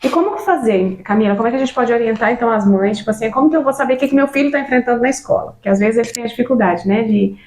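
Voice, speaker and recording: A woman's voice: on the high side, very fast, hardly any pauses, darkish tone. A Brazilian woman hosting an interview, asking thoughtful guiding questions. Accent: Brazilian Portuguese. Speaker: interview host. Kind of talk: casual interview conversation. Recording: roomy echo.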